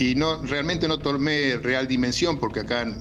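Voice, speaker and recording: A fairly high-pitched man's voice with audible room echo and music in the background. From Argentina, Bahía Blanca. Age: 60s. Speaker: flood volunteer. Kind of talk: live news interview testimony.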